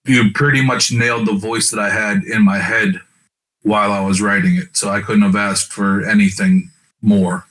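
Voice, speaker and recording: Author guest, man, lowish flat voice, even and appreciative. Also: normal speed, poor audio. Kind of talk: casual interview chat.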